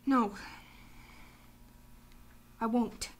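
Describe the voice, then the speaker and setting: A woman playing a halting, dramatic captive in a radio play. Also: fairly high pitch, steady tone. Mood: desperate defiance. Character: defiant captive woman refusing a captor's demands. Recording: humming noise under the voice.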